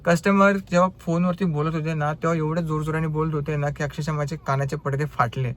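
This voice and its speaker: A young man with a Marathi accent, telling the story of his driving trips in a casual vlog with lively, animated delivery. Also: on the high side, fast. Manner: animated storytelling, acts out quoted customers. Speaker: ride-hailing driver vlogger.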